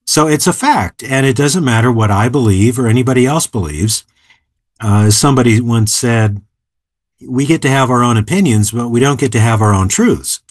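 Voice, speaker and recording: A man in his seventies, an author and philosopher, explaining ideas in a measured, emphatic way during an interview. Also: medium pitch, expressive, no room sound, studio quality. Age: 70s. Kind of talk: interview conversation.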